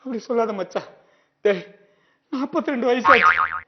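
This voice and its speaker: Brief: very high-voiced man with a Tamil Nadu accent, teasing comic sidekick, lo-fi TV sound with clear noise. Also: lively intonation, moderate pace. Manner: teasing, blustering best friend. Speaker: comedy sketch actor. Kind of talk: scripted comedy sketch dialogue. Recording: dull TV audio with noise.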